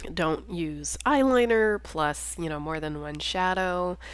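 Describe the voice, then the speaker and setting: This is a woman speaking. Her pace is very slow. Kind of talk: beauty tutorial voice-over. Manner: casual, conversational.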